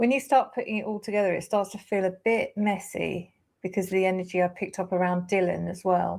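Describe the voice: Speaking at a fairly quick pace, a woman has a medium pitch, vocal fry, a soothing, slightly mellow tone and fairly even intonation.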